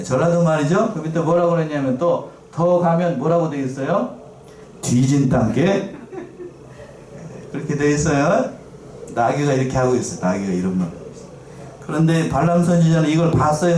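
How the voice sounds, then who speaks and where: A man's voice: a little high, expressive, a little fast, a little mellow, a little hiss or hum. A man preaching a sermon as pastor, asking the congregation questions and reading scripture aloud. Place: church sanctuary. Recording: echoey church, mic at a distance.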